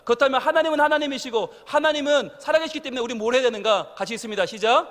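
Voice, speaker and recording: A middle-aged man preaching a sermon, telling a family story and acting out the quotes with lively storytelling. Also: very high voice, very fast, in a large hall. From South Korea. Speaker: pastor. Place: church sanctuary.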